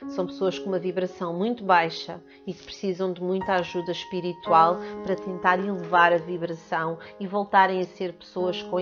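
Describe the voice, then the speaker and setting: Woman w/ european portuguese accent giving an earnest spiritual talk, slightly muffled audio, faint music behind. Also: lowish voice. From Portugal and the Netherlands. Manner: earnest, emphatic, uses repetition. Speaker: spiritual video host.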